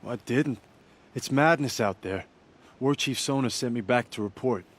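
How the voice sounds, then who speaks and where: A man's voice: mid-range voice, normal speed, natural voice. A man as a wounded, strained tribal warrior. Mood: weary, strained. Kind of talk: video game voice acting.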